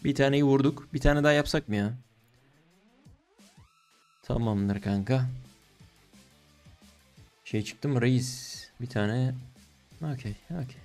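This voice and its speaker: Young male case-opening streamer, warm tone, slangy and excitable, soft music behind. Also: medium pitch, slow, long pauses. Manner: slangy, excitable, pleading and groaning at results. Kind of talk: casual gaming commentary.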